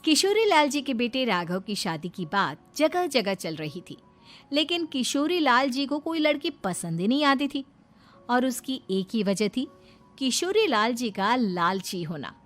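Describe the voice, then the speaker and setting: A woman narrating a cartoon storybook in a plain storytelling manner. Her voice sits a little high and moves up and down a lot. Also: very animated, unhurried, a bit bright, soft background music.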